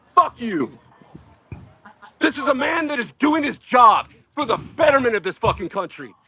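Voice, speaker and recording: An angry man shouting profane insults in a heated street argument outdoors. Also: very high voice, big pitch swings, normal speed, breathy edge. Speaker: counter-protester.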